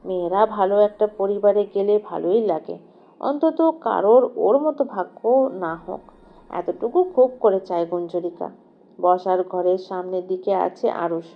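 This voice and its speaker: A woman reads a novel aloud as a dramatic narrator. Her medium-pitched voice is expressive and shapes literary sentences. The recording sounds a little muffled. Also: measured pace. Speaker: audio story narrator. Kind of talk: dramatic scripted narration of a sad romance novel.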